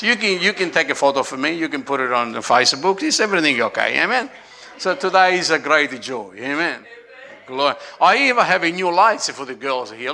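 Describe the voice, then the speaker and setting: Italian-accented pastor preaching, super bright voice w/ some gravel, jokey, amen every other line. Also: male voice, a little high. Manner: jovial, laughing often, frequent amens. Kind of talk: lively Christmas sermon.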